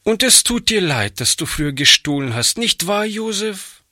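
A man's voice: on the high side, wildly swooping pitch, takes it slowly, sharp tone, no echo, studio quality, voice pushed up, heavily acted. A man reading a storybook aloud, voicing an earnest, pious little girl who pleads eagerly. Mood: pleading, eager. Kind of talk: audiobook reading.

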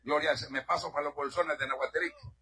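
High bright-voiced preacher guy from honduras, fired up, yelling then going all quiet in church. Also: fairly even intonation, fast talker. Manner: fervent, swings from shouting to hushed asides. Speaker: pastor. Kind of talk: sermon.

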